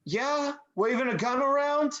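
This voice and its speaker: A woman's voice: high-pitched, unhurried, a bit bright. Woman playing an exasperated laid-back slacker dude, slightly muffled. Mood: weary, placating. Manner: casual, swearing, hesitant. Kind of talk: acted table read of a film script.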